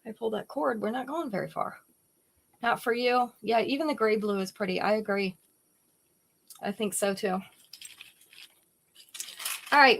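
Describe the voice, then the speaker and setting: A chatty woman with a slightly high voice hosts a live jewelry sale. She talks in a relaxed, conversational way, describing each piece and greeting viewers by name. Her delivery is friendly and unhurried. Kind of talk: casual live-stream sales chat.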